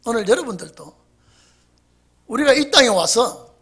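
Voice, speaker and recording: A male pastor delivering an evening sermon and telling stories to his congregation. His voice is husky, with a pitch that swings widely. He moves from loud emphasis to near-quiet asides. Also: moderate pace. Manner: animated, storytelling, dramatic swings in volume.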